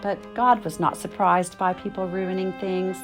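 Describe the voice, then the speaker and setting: A middle-aged woman reading a children's picture book aloud with expressive, emphatic phrasing for young listeners. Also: medium pitch, moderate pace, over music. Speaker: storytime reader.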